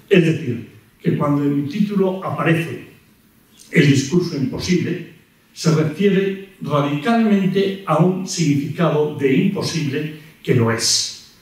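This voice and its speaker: A man in his sixties with a Spanish accent from Spain gives a deliberate, rhetorical lecture. His voice sits a little high for a man. It rings heavily around a hall and sounds somewhat distant from the table microphone. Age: 60s. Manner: deliberate, rhetorical, with repetitions and pauses. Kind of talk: philosophy lecture to an audience. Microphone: gooseneck table microphone. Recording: very echoey hall, distant miked voice.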